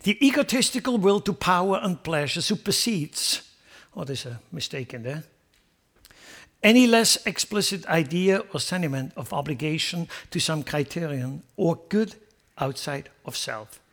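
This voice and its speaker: A man's voice: on the high side, expressive, moderate pace, fairly bright tone. A man preaching a sermon as a pastor, impassioned and repeating words as he builds emphasis.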